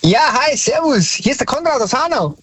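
A man's voice: extremely high pitch, sing-song, normal speed, fairly bright tone, slightly rough, no echo. A man calling in to a radio show, friendly and chatty. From Hesse, Germany. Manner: friendly, chatty, laughs easily. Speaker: caller. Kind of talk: phone-in conversation.

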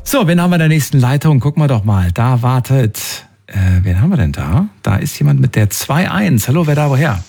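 A man hosting a call-in radio show, giving callers empathetic advice and coaxing them with questions that swing up in pitch. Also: very animated, brisk, creaky, hardly any pauses, a little mellow, slightly rough.

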